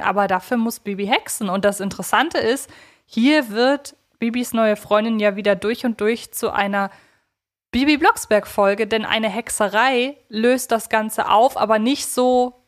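A woman co-hosting a podcast, talking in a conversational, thoughtful way and often searching for her words. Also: mid-range voice. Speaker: podcast co-host.

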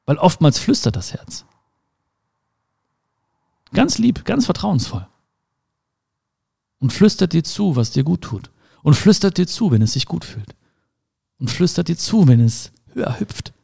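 A man's voice: a little high, very animated, moderate pace, gravelly, dark tone, husky. A man giving a motivational talk in an emphatic way, repeating his key phrases. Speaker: motivational speaker.

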